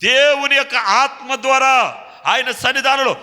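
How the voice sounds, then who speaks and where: Male pastor with a very high, piercing voice, preaching emphatically in a reverberant church hall. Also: moderate pace, pushed and bright. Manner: exhorting the congregation with call-and-response questions. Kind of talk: sermon.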